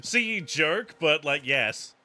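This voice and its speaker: A man's voice: on the high side, expressive, slow, sharp tone. A man streaming a game with a friend, joking, reading on-screen text aloud and laughing often. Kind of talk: casual let's-play commentary.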